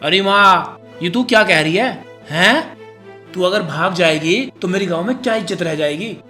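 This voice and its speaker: Deaf lazy grown son, haryanvi accent, bright fairly high voice, grumbling. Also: male voice, normal speed, soft background music. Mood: indignant. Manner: mishears words, grumbling, indignant.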